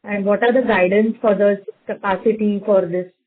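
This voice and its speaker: A woman asking wordy, haltingly phrased questions as an analyst on an investor call. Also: mid-range voice, steady tone. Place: conference phone call. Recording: thin phone line with faint noise.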